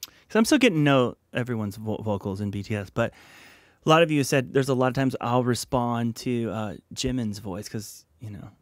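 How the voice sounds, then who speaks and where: A man's voice: mid-range voice, dry recording. A man in his thirties hosting a music reaction video in a small home studio, chatty and rambling with lots of fillers. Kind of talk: casual reaction commentary. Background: faint music playing.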